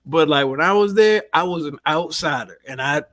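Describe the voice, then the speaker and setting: Guy, kinda high voice, just bantering on a podcast. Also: normal speed, a bit bright, no echo. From Southern United States. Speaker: podcast co-host.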